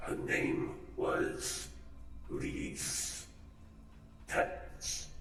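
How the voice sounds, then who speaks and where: This is a put-on character voice. Clear background noise and a clear echo are present. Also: man. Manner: creepy.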